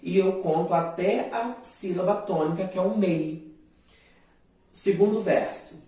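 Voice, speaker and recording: A man with a Brazilian Portuguese accent, teaching a literature lesson in a slow, explanatory way and often checking in with "né" and "tá". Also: high voice, dark tone, far from the mic. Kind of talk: recorded online class lecture. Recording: roomy echo, voice set back from the mic.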